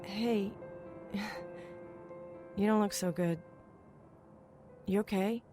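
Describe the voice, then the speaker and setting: A woman's voice: mid-range voice, very slow, over music. An actress playing a plucky, frank female survivor of a spacecraft crash in an audio drama. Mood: concerned, steady.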